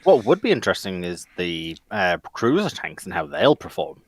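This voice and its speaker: A man's voice: low voice, very animated, normal speed, breathy edge. A man chatting casually as a panelist on a livestream. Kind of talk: casual chat.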